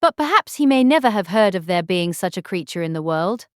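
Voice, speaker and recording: Woman playing a vain, swooping gentlewoman. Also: medium pitch, very animated, fairly quick, dry recording, studio quality, lightly acted. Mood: smug, affected. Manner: affected, pompous, chatty. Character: vain, self-satisfied young married gentlewoman, gushingly pretentious. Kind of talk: full-cast audiobook period drama acting.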